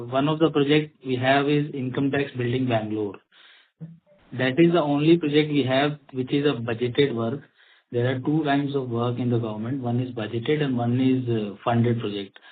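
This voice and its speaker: An Indian-accented man, a company executive, explaining in a halting way as he answers questions on an earnings call. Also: medium pitch. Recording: tinny phone line with clicks and noise.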